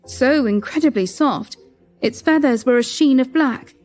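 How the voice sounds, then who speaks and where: Female narrator, slightly high voice, first-person storytelling, faint music behind. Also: a little slow, darkish tone. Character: queen narrating her own story.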